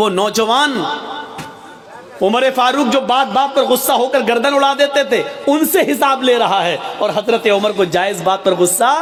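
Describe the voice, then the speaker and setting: An extremely high-pitched man with very even loudness and ordinary pitch variation, over noticeable background noise. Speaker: Islamic preacher. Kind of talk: sermon. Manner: slow, deliberate for the audience.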